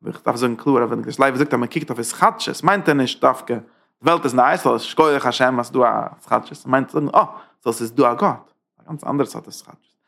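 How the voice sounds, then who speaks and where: A man teaches a Hasidic text in a gravelly voice at a middle pitch. He talks in halting phrases, stops often to search for words, and drops Hebrew and English terms into his Yiddish-style German. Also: a bit bright. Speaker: Torah teacher.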